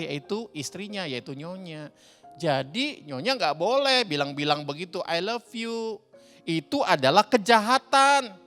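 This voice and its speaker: A man's voice: a little high, fairly bright tone, long reverb tail. A man playing an earnest, upright young servant. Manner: earnest, reasoning firmly.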